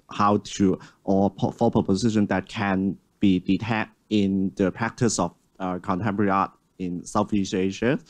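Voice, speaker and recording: A man moderating a panel discussion on a large auditorium stage, speaking haltingly with many fillers and restarts. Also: sits low, darkish tone.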